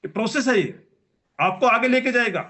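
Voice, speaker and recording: A man's voice: very high voice, animated, brisk, pushed and bright. A man in his forties giving a motivational business training speech, emphatic and repetitive as he exhorts the audience. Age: 40s.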